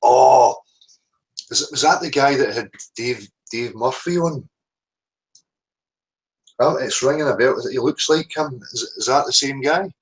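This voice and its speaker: A man's voice: mid-range voice, measured pace, long pauses, rough recording. A man with a Scottish accent chatting casually as a livestream host and reading out the live chat.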